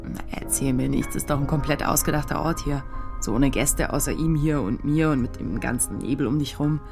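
A woman's voice: very deep voice, a little fast, creaky, music in the background. An actress playing a bewildered, wry woman in her thirties in a radio drama, casual, dry and hesitant. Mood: wry, puzzled. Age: 30s. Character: bewildered, wry woman of 32 thrown between lives. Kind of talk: naturalistic radio drama acting.

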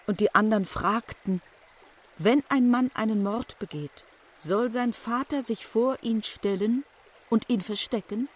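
An actor playing the narrator of an ancient Chinese tale, reciting deliberately and poetically in a radio drama. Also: male voice, high-pitched. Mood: solemn.

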